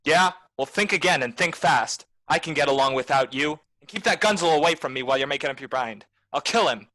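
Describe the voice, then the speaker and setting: A man's voice: fairly high pitch, animated, a little fast, pushed and bright, dry recording, rough recording. A man acting a cynical, wisecracking tough private detective in a film noir radio play, with clipped, nonchalant talk. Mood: impatient, threatening. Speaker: actor, lead and narrator.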